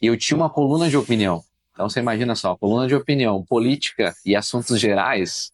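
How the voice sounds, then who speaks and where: A man, a journalist guest, talking in a casual podcast interview, opinionated and emphatic, telling stories quickly. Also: medium pitch, animated.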